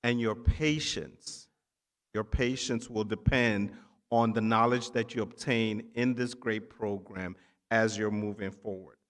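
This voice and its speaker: A man from Nigeria giving an encouraging keynote speech to students at a ceremony, with emphatic phrasing and short pauses. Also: on the low side, fairly even intonation. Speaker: keynote speaker, physician assistant. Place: large indoor hall at a ceremony. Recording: echoey hall with long reverb.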